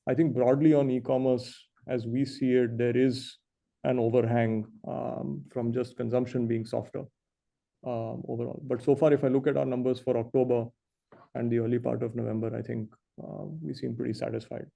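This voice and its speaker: Male company executive, earnings call. Very mellow low-brightness tone, flat intonation, measured and explanatory. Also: gravelly.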